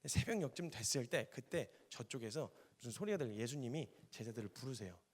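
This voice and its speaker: Man, missionary preacher; quick-paced, lively sermon storytelling with acted-out dialogue. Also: mid-range voice, slightly rough. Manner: lively storytelling, acting out dialogue in casual speech. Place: church.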